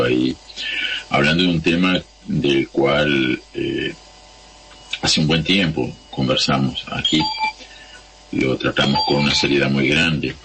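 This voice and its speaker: Deep-voiced rioplatense man, slow and halting, faint hum behind him. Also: fairly bright tone, rough recording. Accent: Rioplatense Spanish. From Argentina. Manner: unhurried, halting, searches for words. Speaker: guest sending a recorded greeting. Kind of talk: recorded spoken greeting.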